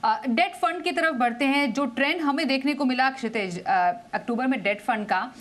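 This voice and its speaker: A woman anchoring a business news interview, asking questions with frequent pauses and restarts. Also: high-pitched, a bit bright. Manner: hesitant, many fillers and restarts.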